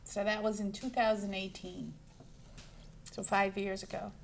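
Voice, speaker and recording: A woman's voice: medium pitch, level tone, a little slow, creaky. A woman in her forties from Brazil, a juice bar owner, answering interview questions in a chatty way, full of ums and restarts. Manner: chatty, lists things with many ums and restarts.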